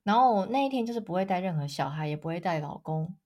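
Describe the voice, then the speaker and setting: Brief: thirties woman, casual podcast co-host, expressive storyteller whose pitch leaps when she acts out quotes. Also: fast. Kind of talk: casual chat.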